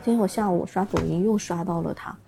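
A woman's voice: on the low side, fast, creaky, crowd noise. A woman from Changsha, a guest on a video call, telling a rambling story with many restarts. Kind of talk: casual storytelling chat.

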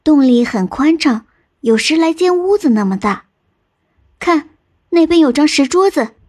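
A woman's voice: high voice, expressive, unhurried, a little mellow. A woman doing a caring elder sister. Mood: eager. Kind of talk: storybook narration.

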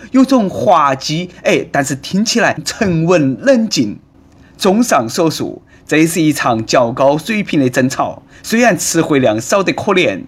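A man's voice: fairly high pitch, husky. A man with a Nanchong Sichuanese accent hosting a comic commentary in a sarcastic, mocking manner. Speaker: host.

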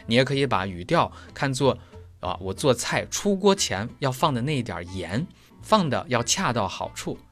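A man teaching German pronunciation in a methodical lesson, laying out each point step by step with homely analogies. His voice sits at a middle pitch but moves with a lively, wide-ranging melody. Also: normal speed, faint music behind. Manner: explains step by step with everyday analogies. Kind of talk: explanatory lesson.

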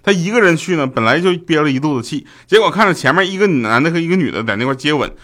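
A man's voice: fairly high pitch, very fast. A man from China, hosting a comedy show in a joking monologue and acting out the quoted lines. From Heilongjiang, China. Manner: lively storytelling, acts out quoted lines.

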